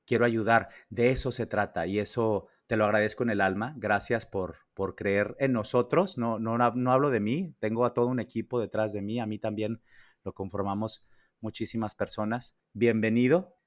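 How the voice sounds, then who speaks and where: A man's voice: on the low side, fairly even intonation, normal speed. A Mexican man hosting a podcast interview in a casual, hesitant way, with many fillers and restarts. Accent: Mexican Spanish. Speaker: podcast host. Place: New York.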